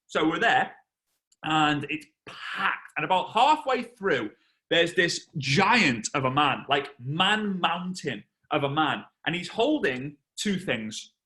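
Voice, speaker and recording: A man from England in his thirties, a network marketing trainer telling a lively story on a video call and acting out the voices. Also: a little high, takes it slowly. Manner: animated storyteller, acts out voices and shouts.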